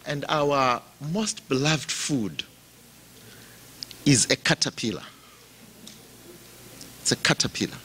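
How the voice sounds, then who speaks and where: A man from Zimbabwe preaching a sermon in a slow, emphatic style, his voice rising and dropping for effect. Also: on the high side, a bit bright, slight background noise.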